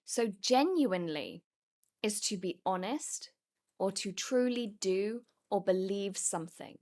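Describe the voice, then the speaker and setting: A British woman speaks as an English teacher in an instructional style. Her pace is slow and her pitch is mid-range. She enunciates each example with care and often repeats it for learners. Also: animated, darkish tone.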